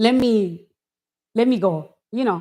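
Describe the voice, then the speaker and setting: A woman with a strong Spanish accent speaks at a fairly slow pace and fairly high pitch. Her pitch swings very widely, and the recording is very clean with a silent background. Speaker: content creator. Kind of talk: casual chat. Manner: halting.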